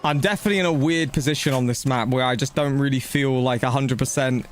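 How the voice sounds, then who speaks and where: A man's voice: mid-range voice, quick pace, a little hiss or hum. A man giving casual live gameplay commentary and chatting to viewers, blunt, slangy and matey, with some swearing. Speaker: video game streamer.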